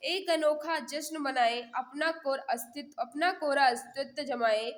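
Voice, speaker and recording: A woman's voice: high voice, a bit bright, echoey room. A woman teaching a live exam prep class, reading questions and answers aloud in an instructional way, repeating them and prompting listeners.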